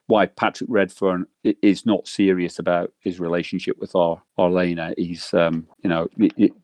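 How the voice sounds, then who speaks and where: A man's voice: low-pitched, flat delivery, moderate pace, darkish tone, no echo. A man co-hosting a book podcast, chatting casually with frequent restarts and fillers. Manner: hesitant, many restarts and fillers. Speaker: podcast co-host.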